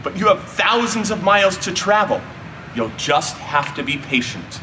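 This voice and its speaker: A man narrating a children's story expressively, with dramatic, drawn-out emphasis and deliberate pauses. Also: high-pitched, big pitch swings. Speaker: storyteller reading a children's book. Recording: distant mic, faint background hum.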